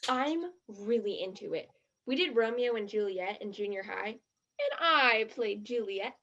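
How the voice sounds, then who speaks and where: A woman's voice: medium pitch, animated, a little slow, a bit bright, highs cut off. An actress in a one-act stage play playing an impulsive, eager teenage Jewish girl from New Jersey, gushing and earnest.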